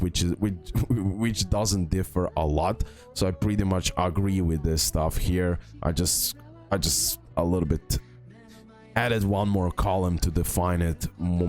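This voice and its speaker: A video game YouTuber with a deep voice gives casual tier-list commentary in an indoor screen-recording voice-over, with a bit of music in the background. He thinks out loud in a hesitant way and repeats phrases for emphasis.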